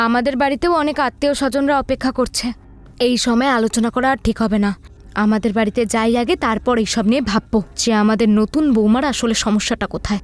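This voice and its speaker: A woman playing a composed, authoritative mother-in-law, measured and firm, in an audio drama. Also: a little high, close to an everyday voice.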